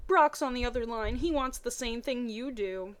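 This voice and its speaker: A woman voicing an eager, chatty teenage girl, raising her voice with excitement. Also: fairly high pitch, normal speed, close to an everyday voice. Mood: excited. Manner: raised, excited delivery.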